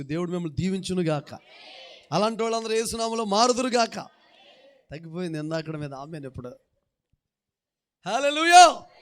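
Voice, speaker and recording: A male pastor preaching a sermon, telling folksy stories and leading the congregation in repeating verses in rhythmic, repeated phrases. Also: sits high.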